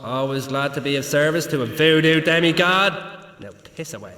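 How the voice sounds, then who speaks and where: An irreverent guide to the land of the dead, teasing and sardonic. The voice is fairly high and sharp-edged, ringing through a big echoing hall, with theatrical video game delivery. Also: male voice, brisk. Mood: mocking, teasing. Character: mocking, irreverent male guide of the underworld. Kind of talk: video game character acting. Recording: echoey, long hall reverb.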